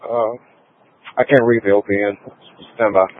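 A man's voice: fairly low pitch, little pitch movement, normal speed. A male patrol officer calling in over a police radio transmission in clipped codes, terse and matter-of-fact. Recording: tinny narrowband police radio.

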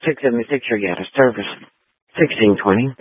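A man's voice: medium pitch, brisk, slightly rough, dry recording. A man working as a police dispatcher, heard over a police radio transmission, answering in terse, clipped call codes and times. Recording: tinny radio channel, dry.

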